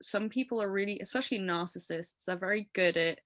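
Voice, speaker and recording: A woman in her thirties with an English accent and a low, smoky voice, talking casually and animatedly as an interview guest, laughing often and filling with "like". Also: brisk, a bit bright, dry recording, studio quality. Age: 30s. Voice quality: low voice from years of smoking. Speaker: musician guest.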